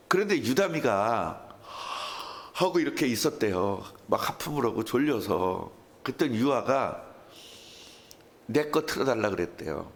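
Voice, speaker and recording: Lively, animated male pastor preaching. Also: medium pitch. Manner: animated storytelling with acted quotes. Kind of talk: sermon.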